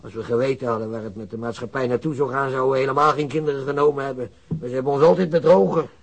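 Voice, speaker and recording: A man's voice: medium pitch, steady tone, racing, creaky. An actor playing an old working-class father, plain-spoken, weary and loyal to his son, in a naturalistic radio drama. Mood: bitter, indignant. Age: older.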